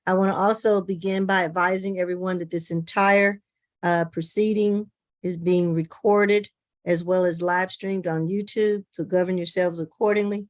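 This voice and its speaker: A woman judge giving formal, measured procedural explanations to open a court hearing. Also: fairly low pitch, steady tone. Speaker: judge presiding over a court calendar. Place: remote court hearing on video call.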